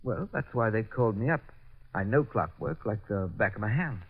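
An actor playing a haunted bomb-disposal captain who tells his story in a quiet, brooding way, in 1940s radio acting style. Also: lowish voice, lively intonation, normal speed, breathy edge. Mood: earnest. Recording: lo-fi old radio recording.

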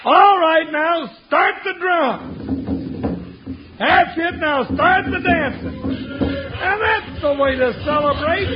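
An actor playing an excitable, folksy cowboy sidekick who drawls and stammers in a 1950s radio western. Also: male voice, very high-pitched, a little slow. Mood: jubilant. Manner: drawling, stammering, exclamatory frontier talk. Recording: muffled old radio transcription with hiss.

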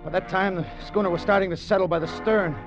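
A man's voice: high voice, fairly even intonation, fast, lightly acted. A man playing a hard-boiled sailor turned killer. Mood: tense. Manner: hard-boiled first-person narration. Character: desperate treasure-hunting sailor who killed a man. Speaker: narrator and lead character. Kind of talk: 1940s radio drama acting. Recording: dull old radio broadcast with music.

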